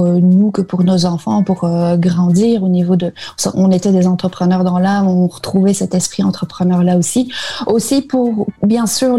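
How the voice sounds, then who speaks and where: Belgian-born woman, husky gravelly voice, mellow, keeps restarting her sentences. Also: medium pitch. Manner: halting, many restarts. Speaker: guest. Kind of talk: casual interview talk. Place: remote recording from Canada.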